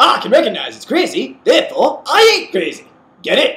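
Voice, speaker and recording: A man uses a put-on character voice at an extremely high pitch. He speaks at a moderate pace. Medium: read story. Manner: easygoing, folksy.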